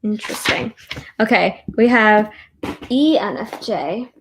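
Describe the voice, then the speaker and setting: A woman's voice: mid-range voice, slow, noisy background. A young American woman co-hosting a casual book chat, informal and playfully self-deprecating. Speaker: co-host of a book discussion live stream. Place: in bed at home.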